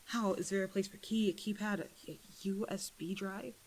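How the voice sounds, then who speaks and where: An actress plays a female spaceship captain on edge in a sci-fi audio drama. She is sarcastic and foul-mouthed, muttering frantically to herself. There is clear noise and clicking behind her. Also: medium pitch, fairly even intonation, normal speed, lightly acted, low-quality recording. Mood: exasperated.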